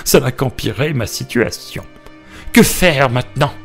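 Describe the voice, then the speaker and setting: A man's voice: mid-range voice, lively intonation, a little slow, fairly bright tone, faint music behind, pitched above the performer's own voice. A man voicing an exasperated, panicky farmer in a cartoon fable, exclaiming in an overwrought way. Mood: dismayed.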